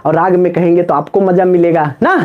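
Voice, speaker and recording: A man's voice: high voice, steady tone, fairly quick, narrow, tinny audio. A man teaching Sanskrit in a live online exam-prep class, chanting word forms in a sing-song rhythm and joking with viewers in the chat. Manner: playful, banters with viewers in chat.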